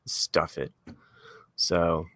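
A man's voice: sits low, steady tone, extremely slow, a bit bright, a little hiss or hum. A man in his forties co-hosting a casual podcast, joking around and giving listeners the show's sign-off details. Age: 40s. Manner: joking, wraps up the show. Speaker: podcast co-host. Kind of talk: casual chat.

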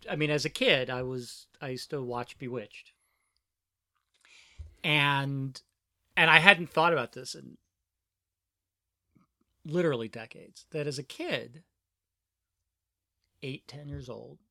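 Bright-voiced trans woman, reflective chat. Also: low-pitched, slow pace, long pauses, no echo, studio quality. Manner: reflective, animated, laughs often. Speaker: podcast co-host. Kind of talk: casual conversation.

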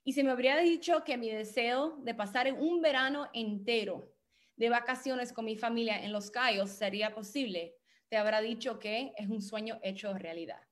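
A woman's voice: on the high side, moderate pace. A middle-aged woman coach giving a motivational training talk from her home office, speaking Spanish with many English words slipped in. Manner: mixes English words into Spanish, self-deprecating about her Spanish. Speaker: guest speaker and business coach.

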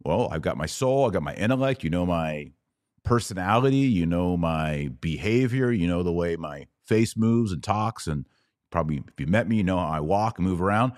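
A man hosting a Catholic podcast, giving a sermon-like explanation in an emphatic, deliberate way with dramatic pauses. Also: deep voice, expressive, darkish tone, dry recording, studio quality.

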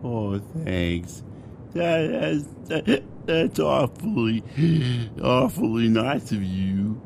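An actor playing a drunk, dim-witted airline passenger who stammers and repeats himself in a comic radio play. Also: male voice, medium pitch, lively intonation, drawn-out words, gravelly, a little mellow, slight background noise, full character voice. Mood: befuddled.

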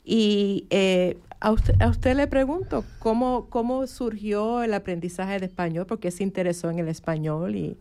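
Radio host woman, friendly conversational manner, studio mic, mid pitch. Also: normal speed, few pauses, dark tone, clean tone. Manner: friendly, conversational, some restarts. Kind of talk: live radio interview. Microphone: studio microphone.

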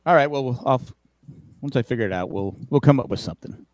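A man in his fifties co-hosts a casual podcast chat, rambling, correcting himself, and joking wryly about getting older. His mid-range voice is a little mellow and he talks fast. No echo is present.

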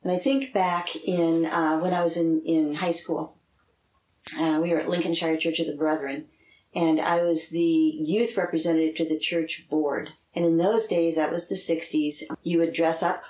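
A woman in her seventies with a low voice reflects in an interview. The sound is noticeably roomy around her. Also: flat delivery, normal speed, a little mellow. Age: 70s. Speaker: interviewee, lay church member.

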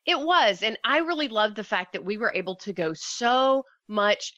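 Loud, bright-voiced woman co-host. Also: medium pitch, expressive, moderate pace, dry recording, dull audio. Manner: enthusiastic, talks at length. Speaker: podcast co-host. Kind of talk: casual chat.

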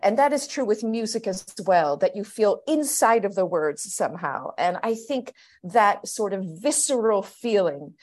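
A woman from Pittsburgh, a stage actor, speaking as a guest on a podcast in a thoughtful, measured way. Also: medium pitch, animated. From United States (Pittsburgh). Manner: thoughtful, measured, often laughing softly. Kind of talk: casual podcast interview.

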